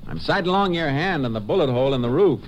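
A man's voice: on the high side, animated, fast, highs cut off, slight background noise, close to an everyday voice. An American man playing a terse, matter-of-fact Texas Ranger investigator in a 1950s radio western. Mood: analytical. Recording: old 1950s radio recording.

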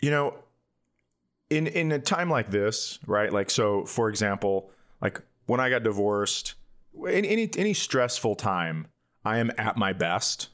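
A man with a slightly low voice chats casually as a podcast co-host. His delivery is conversational and comedic, like someone trading funny stories. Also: big pitch swings, measured pace, fairly bright tone.

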